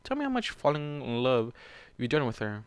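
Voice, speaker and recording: A man's voice: mid-range voice, wildly swooping pitch, fairly quick, clean tone, no room sound. A man voicing a sly, impatient female changeling from a fan story, taunting and blunt. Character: sly female changeling posing as dead wife, condescending, impatient.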